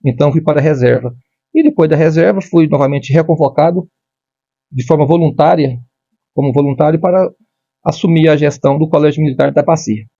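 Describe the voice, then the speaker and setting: A man's voice: fairly high pitch, creaky, warm tone, breathy edge, no echo, dull audio. A man in his fifties from Brazil, a retired military police major, speaking formally and with frequent restarts as an interview guest. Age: 50s. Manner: measured, formal, with many restarts. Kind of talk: conversational interview.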